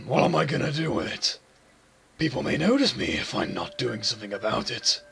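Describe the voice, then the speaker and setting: A man's voice: sing-song, moderate pace, creaky, a bit bright, soft background music, heavily acted. A man voicing a sinister man in black in a demon-like voice while narrating a game let's play. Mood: cold, muttering. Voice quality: low demon-like voice. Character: cold sinister man in black, adult male.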